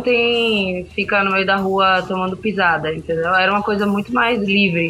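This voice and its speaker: The woman's intonation is lively and her pace moderate, with noticeable background noise. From Bahia, Brazil. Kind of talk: casual chat.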